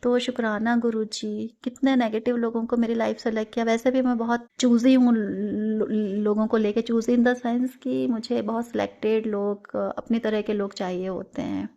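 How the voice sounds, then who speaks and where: Brief: woman, earnest devotional testimony, mellow and level delivery, English words mixed into her Hindi. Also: on the high side, fairly even intonation, moderate pace, few pauses, muffled recording. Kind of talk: personal spiritual testimony.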